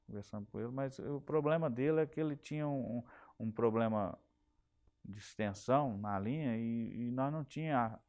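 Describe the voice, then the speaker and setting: With a medium-pitched, darkish voice at normal speed, a middle-aged telephone company technician speaking Brazilian Portuguese with a Minas Gerais accent recounts his career for an oral history interview, often restarting and repeating words.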